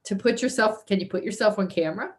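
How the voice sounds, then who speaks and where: A woman's voice: mid-range voice, quick pace. A woman instructor wrapping up an online class over a video call, chatty and apologetic, often laughing. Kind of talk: casual wrap-up of an online class. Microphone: computer mic on a video call.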